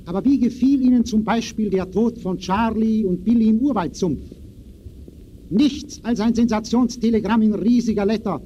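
An actor playing a theatrical radio narrator who addresses listeners in rhetorical, rhymed verse in the style of a 1920s radio play. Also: male voice, high voice, warm tone. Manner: declamatory, rhetorical, rhymed delivery. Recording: dull, noisy early radio recording.

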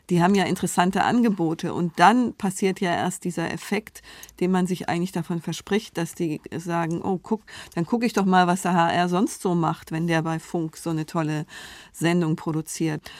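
Lowish, dry-sounding woman discussing analytically. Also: a little mellow, no echo. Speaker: interview guest, media expert.

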